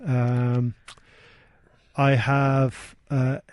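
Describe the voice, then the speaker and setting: Irish man trading deadpan quips. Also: medium pitch, extremely slow, dry recording. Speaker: podcast guest. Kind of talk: casual comedy podcast chat.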